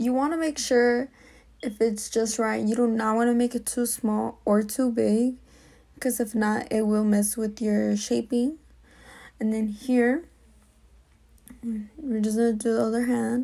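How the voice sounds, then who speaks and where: Very cleanly recorded against a silent background, a woman talks fairly slowly in a fairly high pitch with a dark, mellow tone. Her intonation is fairly even and her loudness very even. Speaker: nail technician. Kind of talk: tutorial voiceover. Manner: halting, stumbling.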